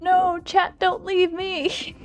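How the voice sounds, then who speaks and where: A woman streamer reading a visual novel aloud on a livestream, expressive and giggly, stumbling over lines and making asides to chat. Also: very high-pitched, very slow. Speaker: streamer, VTuber. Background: game music.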